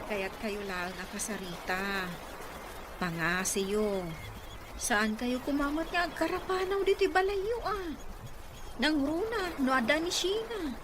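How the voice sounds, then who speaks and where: A woman's voice: high-pitched, a little slow. An actress with an Ilocano accent playing a younger sister, a scolding yet caring village woman in an audio drama. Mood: scolding, worried. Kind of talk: Ilocano radio-style drama acting. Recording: clearly noisy ambient background.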